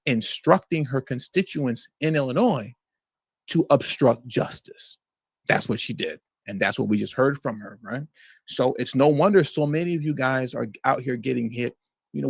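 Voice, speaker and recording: A man's voice: medium pitch, creaky, slightly rough, no echo. A man hosting a political commentary show, reading out news quotes and answering them with scorn and mocking emphasis.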